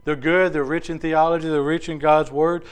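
Earnest male preacher, smooth clear voice. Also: a little high, little pitch movement, normal speed. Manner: earnest, conversational preaching with casual asides. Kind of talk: sermon.

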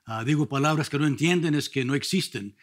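A man's voice: a little high, a little fast, very noisy. An older man, a pastor raised in California with English as his first language, teaching a sermon workshop with frequent restarts and light humor. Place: seminary chapel.

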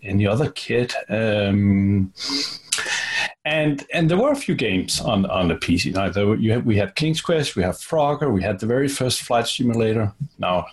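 A middle-aged man from Denmark, a native Danish speaker with a Danish accent, answering interview questions in a relaxed, thoughtful way. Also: on the low side, normal speed. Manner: relaxed, thoughtful, with fillers and repeats. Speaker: guest, author and software business partner.

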